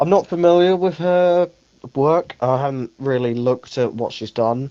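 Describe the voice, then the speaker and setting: The tone is dark and mellow. The speaker has a British accent. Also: man. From UK. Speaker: podcast host, film reviewer. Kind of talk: casual chat. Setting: recording at home.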